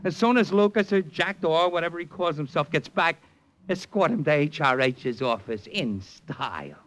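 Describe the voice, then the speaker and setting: An actor playing a brash middle-aged movie agent who narrates a 1950s radio drama. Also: male voice, fairly high pitch, animated, moderate pace, natural voice. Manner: brash, breezy wisecracking. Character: fast-talking middle-aged male talent agent.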